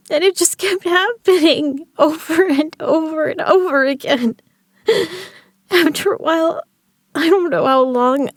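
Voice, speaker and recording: A woman's voice: high-pitched, no echo, studio quality. A woman acting a stubborn, injured gambler in an audio drama, strained but defiant. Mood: pained, shaken.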